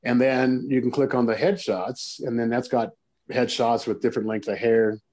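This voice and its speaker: Male actor guest, warm mellow tone, mid pitch, emphatic storyteller. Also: fairly even intonation, normal speed. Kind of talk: casual chat.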